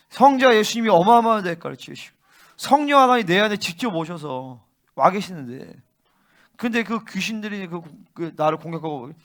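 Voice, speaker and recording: A male pastor preaching a fervent sermon and often pressing his listeners with quick questions. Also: high voice, fairly bright tone. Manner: fervent, keeps prompting listeners with "응?".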